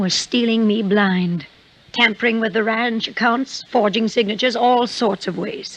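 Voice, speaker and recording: A woman speaks at a moderate pace, her fairly high pitch showing ordinary variation. Noticeable background noise runs behind her. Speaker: radio drama actor playing a ranch-owning widow. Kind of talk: old-time radio drama.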